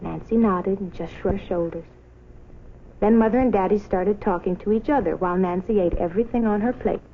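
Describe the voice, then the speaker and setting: A woman narrates a children's story with expression, in a medium-pitched voice. The sound is that of an old film track, dull and a little noisy. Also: a little fast.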